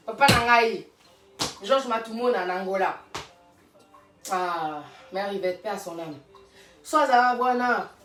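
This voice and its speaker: A woman's voice: medium pitch, measured pace, long pauses, noisy background. A woman, speaking in an emphatic, fiery casual rant and repeating rhetorical questions. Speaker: vlogger. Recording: roomy sound from a distant mic.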